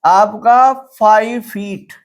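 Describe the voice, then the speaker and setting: Slow, emphatic teacher explaining meter. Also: male voice, high-pitched. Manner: slow and emphatic, mixing Hindi with English terms, repeats key words. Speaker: English literature teacher. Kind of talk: classroom lecture explaining poetry meter.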